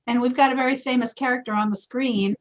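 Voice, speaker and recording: A woman's voice: on the high side, fairly even intonation, quick pace. A woman moderating a panel discussion, introducing questions and encouraging speakers with brief responses.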